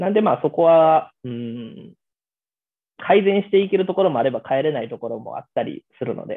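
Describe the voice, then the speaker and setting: A man's high voice moves through very wide pitch swings and big swings in loudness. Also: moderate pace. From Japan, Osaka (Kansai). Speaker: craft beer brewer. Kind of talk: casual interview.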